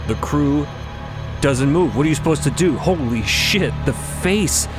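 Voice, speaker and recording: A man's voice: on the high side, expressive, measured pace. A man narrating a fiction podcast in a theatrical, emphatic storytelling style with casual asides. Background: music under the narration.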